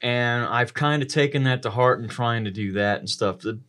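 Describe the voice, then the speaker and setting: A man co-hosting a podcast, telling casual anecdotes in an animated way. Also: mid-range voice, moderate pace. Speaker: podcast co-host.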